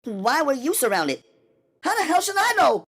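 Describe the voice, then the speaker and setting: A man voicing a tough, streetwise young New woman who talks brashly and fast. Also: very high voice, huge pitch swings, fairly bright tone, pitched above the performer's own voice, full character voice. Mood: frantic. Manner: brash, rapid-fire, indignant. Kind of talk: audiobook character voice.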